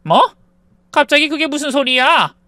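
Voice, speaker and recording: A stern older mother-in-law who scolds and shouts, her pitch leaping up and down, as a woman storyteller puts her on. The voice is close and dry, with no room sound. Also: expressive, unhurried, no echo, full character voice. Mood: puzzled.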